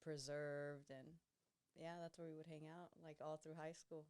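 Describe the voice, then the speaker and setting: A young woman with a Southern California Latina accent, a guest talking in a relaxed, slangy way and laughing often. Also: deep voice, moderate pace. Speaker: podcast guest. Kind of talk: casual podcast chat.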